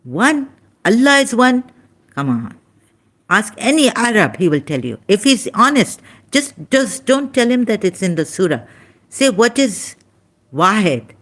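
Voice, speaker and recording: A woman with a Pakistani accent and Sindhi as her first language, giving an informal religious talk in halting, broken English with many restarts, tired and soft-spoken as she goes on. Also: mid-range voice, sing-song. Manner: tired, winded and soft-spoken in later part. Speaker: religious commentator.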